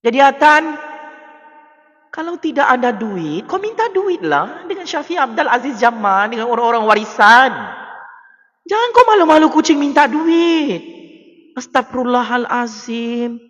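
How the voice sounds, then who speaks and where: A man with a Sabah Malay accent, ranting and taunting as a livestream political commentator on his own mic, with loud exclamatory bursts. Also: extremely high pitch, sing-song, a little slow, dull audio. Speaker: political commentator streaming to viewers. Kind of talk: mocking livestream rant. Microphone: personal microphone at a desk.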